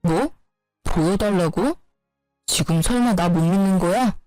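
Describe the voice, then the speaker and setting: A woman's voice: on the low side, a little slow, mellow, dry recording, soft background music, lightly acted, rough recording. Woman reading as evasive young husband. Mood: defensive. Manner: defensive, brushing off accusations.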